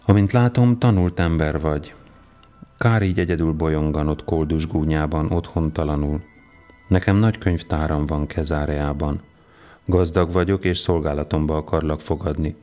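Stern older Roman governor, read by a man; very low, mellow, measured. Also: soft background music. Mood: commanding.

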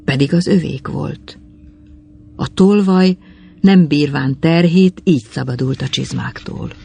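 Gravelly, husky solemn storyteller. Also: mid-range voice, dark tone. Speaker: narrator. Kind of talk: literary story reading.

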